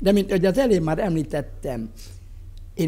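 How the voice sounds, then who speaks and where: A man with a dark, mellow tone and a somewhat breathy voice speaks at a moderate pace. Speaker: retired bishop. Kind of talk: testimony. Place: home room.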